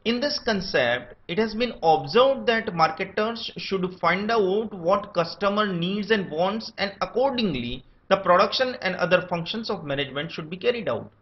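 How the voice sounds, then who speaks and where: Male lecturer, Indian accent, steady itemized delivery, lively intonation, muffled lo-fi recording. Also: high-pitched, moderate pace, hardly any pauses. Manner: steady enumerating delivery, lists points one by one. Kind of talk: scripted academic lecture. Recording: dull lo-fi recording.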